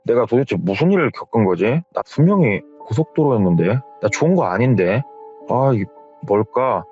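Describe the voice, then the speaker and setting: A man's voice: mid-range voice, expressive, moderate pace, husky, narrow, tinny audio, faint music behind. A man voicing a confused young male employee who stammers and answers deferentially. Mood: bewildered.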